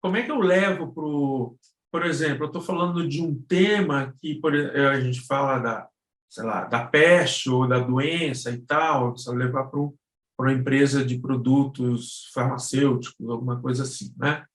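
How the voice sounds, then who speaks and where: A man's voice: mid-range voice, normal speed. A man explaining things informally in a live lesson, often checking in with short tag questions. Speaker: guest instructor. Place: indoor room on an online live stream. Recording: roomy, echoing live-stream audio.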